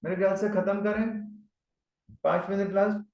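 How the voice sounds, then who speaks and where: Gravelly man coaching over an echoey call. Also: high voice, flat delivery, normal speed, dull audio. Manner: exhorting, repeats points in short bursts. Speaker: real estate coach. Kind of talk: motivational coaching talk on a video call. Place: video call. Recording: echoey and distant from the mic.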